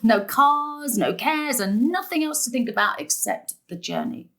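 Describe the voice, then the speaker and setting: Tired self-effacing mum in a stage drama, middle-aged, highish voice that swings about a lot. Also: female voice, animated, unhurried, fairly bright tone. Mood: wistful. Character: weary, self-effacing daughter and mother, longing for freedom.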